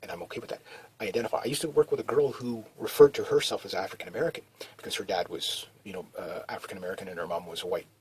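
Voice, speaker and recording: A man's voice: low voice, very fast, slightly rough, rough recording. A man talking in a rambling, casual monologue, full of restarts and fillers. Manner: meandering, many restarts and "you know" fillers. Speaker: video blogger.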